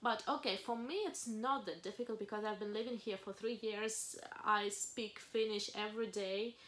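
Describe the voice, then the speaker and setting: A woman's voice: medium pitch, steady tone, normal speed, fairly bright tone. Young Ukrainian woman, native Russian speaker. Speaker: vlog co-host. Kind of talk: casual chat. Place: living room sofa, indoors. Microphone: camera in front of a couch.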